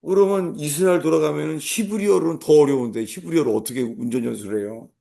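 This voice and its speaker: Gravelly-voiced man preaching with comic stories. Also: fairly high pitch, quick pace. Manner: storytelling with comic asides, acting out shouted commands. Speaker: pastor. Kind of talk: sermon.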